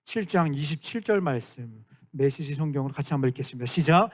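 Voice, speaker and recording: A man in his thirties, a youth pastor giving a lively sermon to high school students and often asking them to agree. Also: fast. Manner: animated, keeps asking the room for agreement; acts out quoted lines in dramatic voices.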